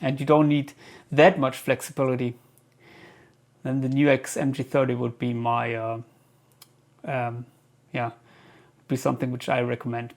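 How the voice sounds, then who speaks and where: A man giving a casual gear Q&A as a reviewer, speaking haltingly as he thinks aloud. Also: medium pitch, flat delivery. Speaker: guitar gear reviewer answering viewer questions. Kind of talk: casual product Q&A talk.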